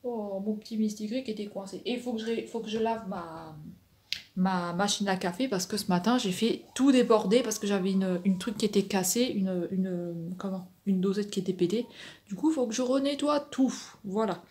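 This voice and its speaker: A woman's voice: medium pitch, moderate pace, darkish tone, slightly rough. Woman, thirties, casual home vlog, rambling, hesitant, phone mic. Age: 30s. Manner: rambling, hesitant, full of fillers and restarts. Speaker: vlogger. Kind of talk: casual vlog chat to camera.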